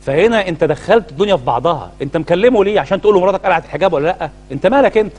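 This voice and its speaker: Middle-aged Egyptian male cleric, talk-show co-host; high-pitched, rapid, indignant delivery. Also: lively intonation. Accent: Egyptian Arabic. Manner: indignant, hammering rhetorical questions. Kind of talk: heated studio talk-show commentary.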